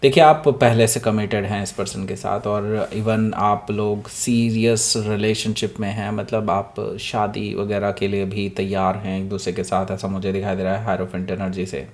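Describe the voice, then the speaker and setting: Hoarse man reading tarot. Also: on the low side, little pitch movement, normal speed, hardly any pauses. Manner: mixes Hindi with English phrases, many fillers. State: sore throat, clearing it. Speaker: tarot reader. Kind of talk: casual tarot reading to camera.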